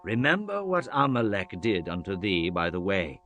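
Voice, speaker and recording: A man narrating scripture as a dramatized audiobook, in a solemn, measured, declamatory manner. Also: low-pitched, big pitch swings, fairly bright tone. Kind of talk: dramatized scripture reading, archaic English. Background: background music.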